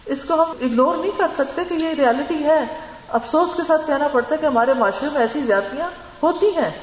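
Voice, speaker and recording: A woman's voice: high-pitched, slight background noise. A woman giving an earnest religious lecture, advising her listeners and mixing in English words. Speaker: religious teacher. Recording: echoey hall, dull lo-fi sound.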